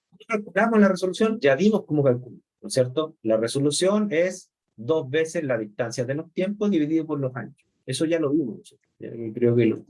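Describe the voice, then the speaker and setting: Guy teaching chem online, slightly high voice, keeps asking "ok?". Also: darkish tone. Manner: explanatory, checks in with "¿ok?" and "¿no es cierto?". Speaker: chemistry lecturer. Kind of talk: online lecture. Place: remote class.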